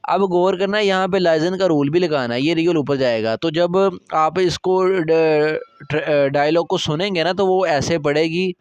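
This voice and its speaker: A man's voice: on the high side, clear, resonant tone, no echo, muffled recording. A man teaching a recorded Korean lesson, explaining step by step and often checking that students follow. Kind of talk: recorded language lecture.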